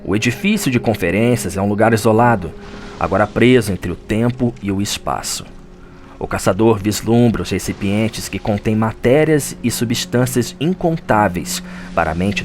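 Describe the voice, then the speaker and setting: A man with a Brazilian accent giving a solemn, dramatic scripted narration for an audio drama, like a chronicler telling a story. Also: on the low side. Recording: music under the voice. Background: background music.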